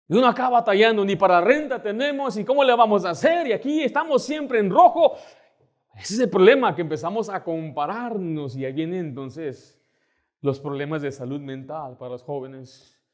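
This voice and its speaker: Male pastor, high voice, animated conversational sermon with acted-out quotes. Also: moderate pace. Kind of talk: Baptist sermon.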